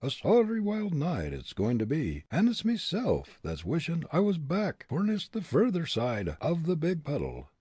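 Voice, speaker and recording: A man voicing a boastful, quick-tempered, superstitious Irish tramp with an Irish accent, full of indignant exclamations in a storybook reading. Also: fairly high pitch, huge pitch swings, darkish tone, breathy edge, dry recording, pitched above the performer's own voice, full character voice. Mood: uneasy muttering.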